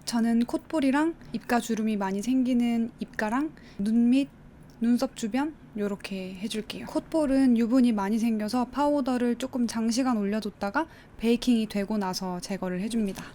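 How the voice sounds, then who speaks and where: A woman's voice: fairly high pitch, normal speed, mellow, a little hiss or hum. A woman beauty vlogger giving a casual make-up tutorial in a polite, explanatory, step-by-step manner.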